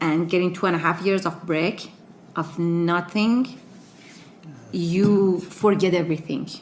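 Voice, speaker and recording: A woman's voice in a Persian accent, with ordinary pitch variation and long, frequent pauses, over noticeable background noise. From Iran. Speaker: refugee, immigrant interviewee. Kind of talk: interview, personal story. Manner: halting, with fillers.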